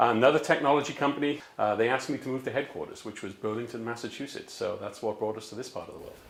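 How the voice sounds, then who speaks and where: Speaking in a Welsh accent at a very fast pace with hardly any pauses, a man with a medium-pitched voice shows ordinary pitch variation and big swings in loudness. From Wales, Cardiff. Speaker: inn owner, former tech executive. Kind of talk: interview. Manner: hesitant, many fillers.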